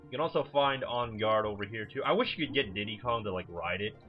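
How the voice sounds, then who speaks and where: With a lowish voice and a quick pace, this let's player rambles informally over a video game, tending to swear. The recording comes from a dull lo-fi mic, with game music underneath.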